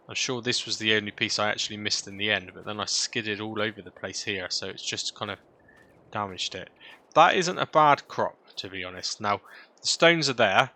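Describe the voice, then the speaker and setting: A British gaming video host gives relaxed gameplay commentary, thinking out loud in a chatty way and often adding tag questions to his own comments. His voice is lowish and sharp-toned with vocal fry, and the recording is noisy with an engine hum like a vehicle's.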